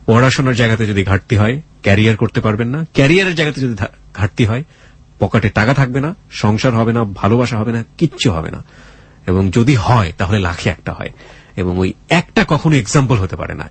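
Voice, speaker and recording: A man's voice: on the low side, expressive, fairly quick, husky. A man with a Bangladeshi accent hosting a radio show, speaking earnestly and emphatically with dramatic phrasing. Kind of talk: radio storytelling and interviewing. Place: radio studio.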